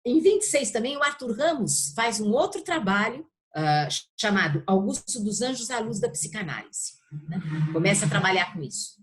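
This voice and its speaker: A woman's voice: medium pitch, big pitch swings, normal speed. An older woman with a Brazilian Portuguese accent, a professor explaining informally in an interview, searching for words and often adding short check-in tags. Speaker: university literature professor being interviewed.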